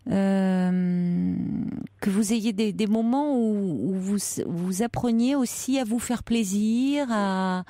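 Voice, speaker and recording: A woman hosting a late-night radio call-in, giving soft, reassuring advice with many hesitations. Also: mid-range voice, takes it slowly, no echo.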